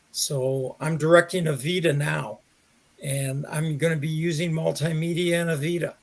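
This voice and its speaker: Theater director, male, mature. Unhurried, fry-heavy voice on the higher side, thoughtful interview delivery. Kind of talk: conversational interview answers.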